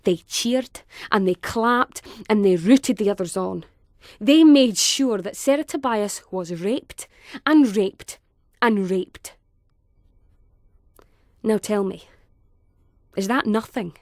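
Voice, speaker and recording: A woman performing a dramatic monologue as a grave woman prosecutor, emphatic, deliberate and indignant. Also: medium pitch, lively intonation, darkish tone, dry recording, studio quality. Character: grave, accusing woman prosecutor in a courtroom speech.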